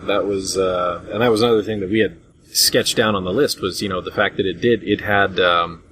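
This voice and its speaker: Man, low pitch, casual podcast host, rambling, hesitant, slightly noisy voice chat audio. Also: steady tone, brisk, a bit bright. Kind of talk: casual group discussion about retro games.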